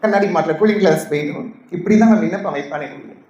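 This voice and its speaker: A woman's voice: fairly low pitch, fast, warm tone, dull audio. A trans woman preacher giving an emotional testimony to a congregation, pleading and asking the audience questions. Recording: echoey hall.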